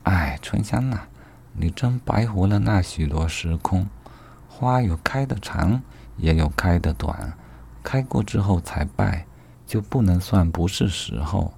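A man voicing a frail, lovesick young lady who speaks softly and wistfully. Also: low voice, expressive, measured pace, creaky, slight background noise, exaggerated voice. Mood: resigned. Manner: soft, wistful.

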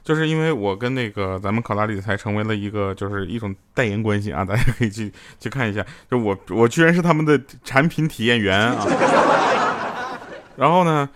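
A man's voice: on the low side, a little fast, fairly bright tone, a little hiss or hum. A man performing a stand-up comedy monologue, telling jokes with playful asides. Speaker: comedian and sponsor spokesman.

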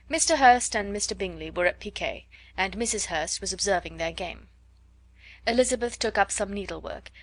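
A woman reading a classic novel aloud in steady, even narration. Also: mid-range voice, no room sound. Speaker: audiobook reader.

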